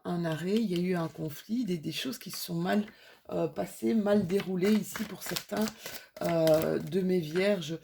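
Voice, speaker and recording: A woman's voice: lowish voice, creaky, warm tone, slight background noise. A woman with a slight cold giving an intuitive card reading to her viewers in a soothing, reassuring way, with many fillers and restarts. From France. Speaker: tarot card reader.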